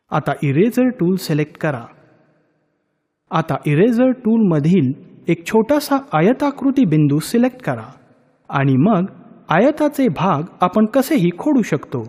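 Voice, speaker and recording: A man's voice: sits high, darkish tone, husky. A man reads a scripted instructional voice-over, guiding listeners step by step. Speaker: e-learning tutorial narrator. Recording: long reverberant hall echo.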